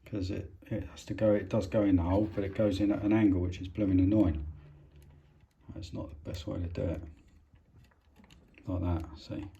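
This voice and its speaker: Mellow, low-voiced British man thinking aloud. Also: fairly even intonation, normal speed, creaky, long pauses, lo-fi sound. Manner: informal, hesitant, thinking aloud while working. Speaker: hobbyist presenter of an electronics repair. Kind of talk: casual hands-on repair demonstration.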